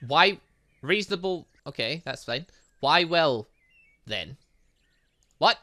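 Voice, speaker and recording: A man's voice: fairly high pitch, lively intonation, slow, pushed and bright, no echo. A man reading game dialogue aloud in a let's play, adding his own commentary and often stumbling over words and correcting himself. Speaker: gaming YouTuber reading a visual novel aloud.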